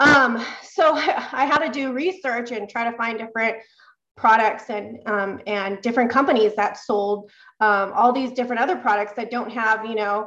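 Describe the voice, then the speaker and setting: Talking at a moderate pace, a woman with an American accent uses a fairly high pitch and ordinary pitch variation. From Southern California. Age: 30s. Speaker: small business owner. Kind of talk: interview.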